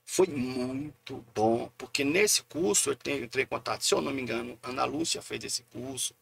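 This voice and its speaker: A man, a guest poet telling lively anecdotes in a casual live interview and acting out the voices of the people he quotes. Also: mid-range voice, normal speed, gravelly.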